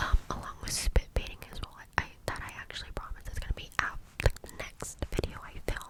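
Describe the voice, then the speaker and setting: A woman whispers at a fairly quick pace, her loudness swinging widely, with noticeable background noise behind her. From Cambodia. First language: Khmer. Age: young. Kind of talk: ASMR whisper ramble. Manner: whispered.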